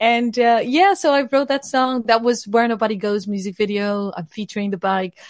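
A woman with a Portuguese accent and a fairly high pitch speaks at a moderate pace with hardly any pauses and ordinary pitch variation against a quiet background. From Portugal, Lisbon. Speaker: singer-songwriter. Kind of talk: interview.

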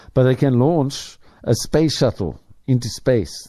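A man's dark, mellow tone over a quiet background. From Ireland. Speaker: radio host. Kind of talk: radio talk show commentary. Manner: hesitant, many fillers.

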